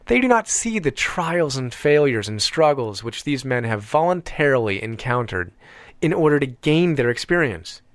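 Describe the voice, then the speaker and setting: A man reading an audiobook as scripted narration, with measured, deliberate phrasing and emphatic pauses. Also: mid-range voice, a bit bright, no room sound.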